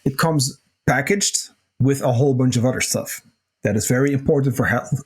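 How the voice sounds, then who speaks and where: A man hosting a nutrition podcast, answering listener questions in a casual, loose way, a little hoarse, with plenty of fillers and the odd swear. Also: medium pitch, moderate pace. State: slightly hoarse, clears throat. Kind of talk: casual solo Q&A talk.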